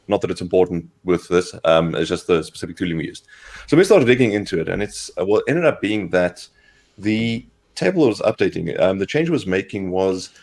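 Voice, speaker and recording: A man co-hosting a casual tech livestream, hoarse from a cold, explaining things in a rambling way with lots of fillers. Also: deep voice, darkish tone. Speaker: co-host.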